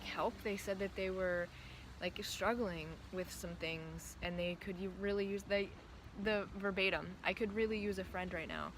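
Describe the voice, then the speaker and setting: Trans man, voice still reads female. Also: high voice. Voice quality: voice still often heard as female. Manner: thoughtful, hesitant, many ums and restarts. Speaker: vlogger. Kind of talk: casual reflective vlog. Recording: steady clear background noise.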